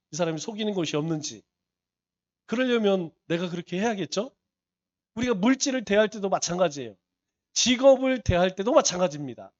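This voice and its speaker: A man's voice: high voice, lo-fi sound. A male pastor teaching a Bible study, asking the congregation rhetorical questions and repeating points for emphasis.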